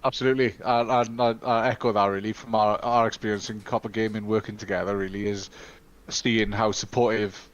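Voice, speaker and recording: A Welsh-speaking man co-hosting a casual live-stream Q&A, talking in a chatty, halting way full of fillers and restarts. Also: lowish voice, flat delivery, muffled recording. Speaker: studio co-host.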